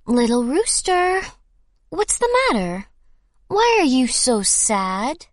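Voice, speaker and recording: A gentle mother hen. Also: sits high, very animated, takes it slowly, no room sound, studio quality, full character voice. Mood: concerned. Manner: soothing, reassuring.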